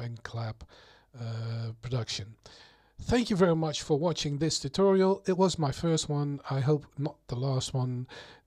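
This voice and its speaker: On a very clean recording with a silent background, a man with a Dutch accent speaks fairly slowly at a fairly high pitch, his tone dark, mellow and somewhat breathy, with ordinary pitch variation. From Netherlands. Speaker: music producer and video maker. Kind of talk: tutorial. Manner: hesitant, many fillers.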